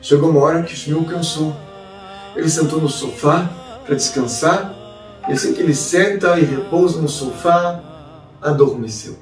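Brief: animated Brazilian rabbi storyteller, recorded from a distance with faint music. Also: male voice, fairly high pitch, normal speed, roomy sound. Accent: Brazilian Portuguese. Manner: animated, rhetorical questions. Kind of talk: dramatic storytelling. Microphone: distant mic.

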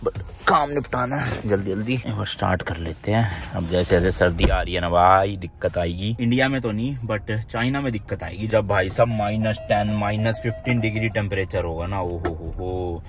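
A man's voice: on the low side, moderate pace, hardly any pauses. A young man from India chats into a handheld camera while moving around outdoors and sitting in his car. His delivery is casual and upbeat. He speaks to viewers directly, like friends along for the ride. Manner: chatty, upbeat, addresses viewers as bhai. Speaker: travel vlogger. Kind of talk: casual vlog chat to camera. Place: outdoors on a city street and in a car. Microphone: handheld camera at arm's length.

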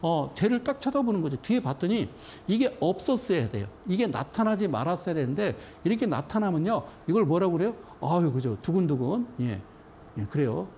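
A man's voice: high-pitched, sing-song, brisk, a little mellow, a little hiss or hum. A middle-aged man giving a stock chart lecture, emphatic, often checking in with his viewers. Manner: emphatic, keeps checking in with the audience. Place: studio.

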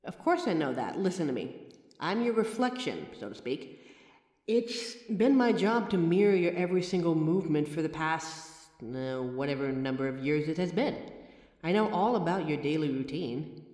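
A woman's voice: low-pitched, animated, moderate pace, a little mellow. A woman voicing the listener's own mirror reflection, a chatty, friendly female figure who talks with reassuring, self-aware rambling in a comfort roleplay. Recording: roomy echoey recording with long reverb.

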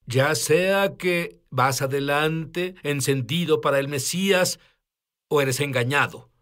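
A man's voice: fairly high pitch, slow pace, fairly bright tone. A male host in a dubbed interview, speaking insistently and urging viewers to respond, recorded as a studio voice-over. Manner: insistent, exhorting. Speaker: show host.

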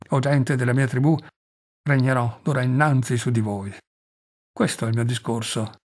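A man's voice: medium pitch, slightly rough. A man reading as a proud old tribal chief. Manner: declamatory, proud oratory. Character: aged tribal chief, boastful proud warrior.

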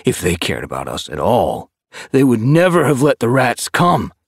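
A man's voice: medium pitch, huge pitch swings, moderate pace, vocal fry, slightly rough, no echo, clean studio sound, voice pushed up, heavily acted. A man voicing a bitter black tomcat warrior in a storybook reading, speaking in a contemptuous, spitting way.

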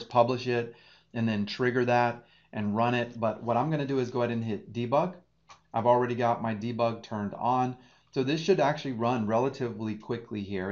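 Narrating every click, a thirties-aged male instructor teaches data engineering in a screen-share tutorial. His voice sits in the middle range with a touch of mellowness, and the home-office recording comes across a little muffled.

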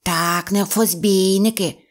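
A woman's voice: mid-range voice, expressive, normal speed, lightly acted. A woman voicing a stingy old rich man who lisps, swapping r for f, and whines and grumbles while haggling. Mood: grumbling. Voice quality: lisping, says f instead of r. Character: stingy rich old male shorty, whiny and stubborn.

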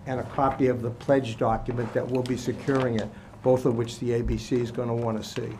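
A man's voice: medium pitch, level tone, fairly quick. An older man with a Boston accent speaks at a hearing as an attorney, affable and casual while he explains paperwork. His voice sits in a middle range. The government TV feed has noticeable background noise. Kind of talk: formal testimony. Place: city hall hearing room. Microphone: table microphone. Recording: noisy government TV meeting audio.

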